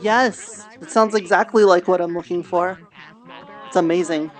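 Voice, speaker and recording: A woman's voice: lowish voice, moderate pace. A woman chatting casually in improvised online roleplay, with an easygoing, playful, conversational manner.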